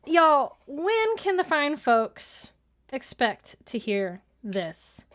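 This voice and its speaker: A woman's voice: sits high, big pitch swings, very slow, fairly bright tone. A woman co-hosting a podcast in casual conversation, with a playful, self-deprecating manner. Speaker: podcast co-host. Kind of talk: casual chat.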